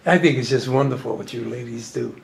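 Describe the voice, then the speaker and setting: A man hosting a talk show, speaking haltingly, repeating himself and admiring his guests. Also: medium pitch, vocal fry, crowd noise. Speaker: host. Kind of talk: casual talk show interview. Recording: roomy room sound.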